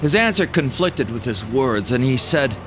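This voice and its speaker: A man narrating a scripted personal story with dramatic pauses and wry amusement, as a storyteller recalling his own past. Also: medium pitch, expressive, background noise. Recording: music behind the voice. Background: music bed.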